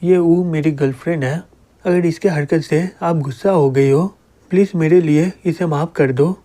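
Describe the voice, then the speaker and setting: Guy narrating as a jealous scheming young dude, gloating, soft high-ish voice. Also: fairly even intonation, normal speed, natural voice.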